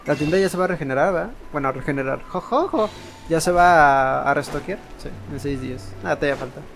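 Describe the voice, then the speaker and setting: A man's voice: fairly high pitch, very fast, creaky, a bit bright. A man with a Latin American Spanish accent giving casual, rambling gameplay commentary and often correcting himself. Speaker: gaming video host. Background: game music.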